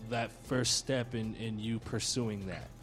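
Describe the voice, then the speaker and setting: A man's voice: fairly low pitch, a little slow, faint music behind. Laid-back male podcast host. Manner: relaxed, affirming, loose. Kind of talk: casual interview chat.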